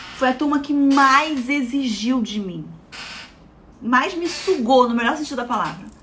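A woman with a high pitch speaks in an animated tone at a fairly slow pace, with ordinary pitch variation and long, frequent pauses. Music plays in the background, and the room echo is audible. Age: 30s. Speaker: weight-loss coach. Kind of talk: live class to students.

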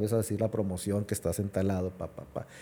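Here a man talks at a fairly quick pace. His tone is dark and mellow. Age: 40s. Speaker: social media influencer and agency owner. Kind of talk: casual interview chat. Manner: informal, slangy.

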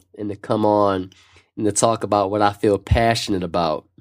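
In a very clean recording with a silent background, a man speaks in a flat monotone. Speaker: self-help podcast host. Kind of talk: motivational monologue. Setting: studio. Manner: subdued, sober.

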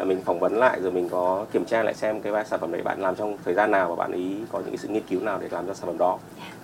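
A man speaks at a very fast pace in a fairly low pitch. His intonation is monotone and flat, with noticeable background noise. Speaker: training director, teacher. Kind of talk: advice answers to student questions. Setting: livestream.

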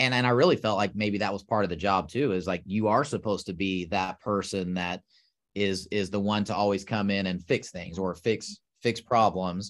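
An unremarkable speaking voice from a man with an American accent, fairly low in pitch, fairly even in intonation, at a moderate pace, against a quiet background. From South Texas. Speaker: elementary school principal. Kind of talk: interview.

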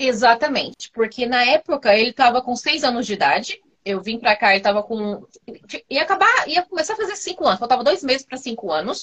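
A woman talks at a fairly quick pace in a high voice, her pitch swinging very widely. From Brazil, Goiânia. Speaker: author. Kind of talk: interview on a live stream. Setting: Instagram live video call.

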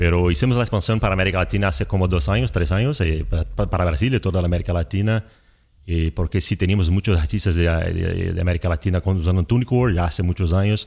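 A man speaks very fast in a very deep, low voice, with ordinary pitch variation and very even loudness. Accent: Brazilian. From Brazil. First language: Portuguese (speaking Spanish). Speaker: music distribution executive. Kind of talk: interview. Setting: studio. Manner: halting.

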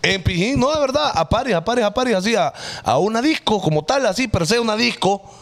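A man's voice races along fairly quickly, its pitch swinging very widely, with noticeable noise in the background. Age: 30s. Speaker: podcast co-host. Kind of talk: casual chat. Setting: live stream.

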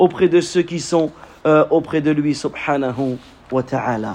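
A man is speaking. His pace is very slow. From northern France, Roubaix/Tourcoing area. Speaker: Islamic preacher. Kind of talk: religious lecture. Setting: mosque.

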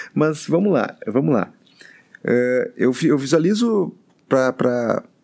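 Very wide pitch swings from a man at a fairly slow pace, the recording very clean and the background silent. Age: 40s. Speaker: law professor and podcaster. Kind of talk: casual academic discussion.

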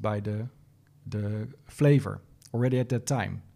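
A man with a Dutch accent speaks at a moderate pace in a medium pitch, his tone dark and mellow and his intonation fairly even. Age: 40s. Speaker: milk sommelier and farmer. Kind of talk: interview. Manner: halting.

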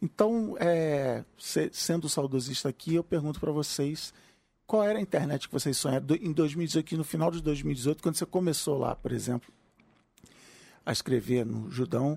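The sound is dry and close with no echo as a man with a dark, mellow tone and a fairly high pitch speaks at a moderate pace with ordinary pitch variation. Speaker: podcast guest. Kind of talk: casual chat.

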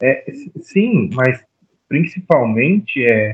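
In a São Paulo accent, a somewhat breathy man of medium pitch speaks at a very slow pace with lively intonation. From São Paulo, Brazil (northwest outskirts). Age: 30s. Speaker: podcast guest, father of two. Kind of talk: casual chat.

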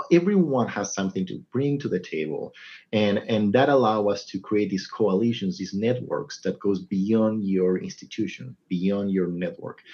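With a Spanish accent, a man speaks at a moderate pace with hardly any pauses. His pitch is fairly low, with ordinary pitch variation. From Argentina. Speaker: neurology professor. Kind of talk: interview.

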